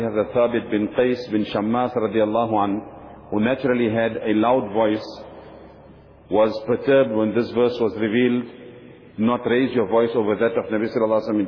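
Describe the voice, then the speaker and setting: A man giving an earnest religious talk, telling stories in a steady, devoted way and using many Arabic honorifics. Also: lowish voice. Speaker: Islamic speaker. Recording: dull lo-fi recording with faint noise.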